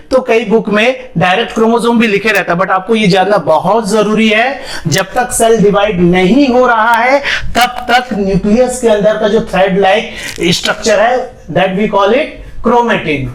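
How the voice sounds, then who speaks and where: A man's voice: high voice, a little slow. A young man teaching a biology lesson, asking questions and answering them himself, mixing English terms into his speech. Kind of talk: classroom lesson with whiteboard.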